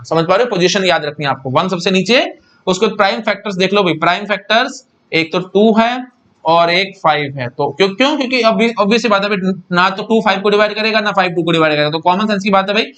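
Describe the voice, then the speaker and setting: A man's voice: sits high, a bit bright. A man lecturing on discrete maths for an exam, often asking if his students follow and answering his own questions. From India. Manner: repetitive, keeps asking "samajh pa rahe ho?" and "kyon?"; mixes English terms into Hindi speech. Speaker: teacher.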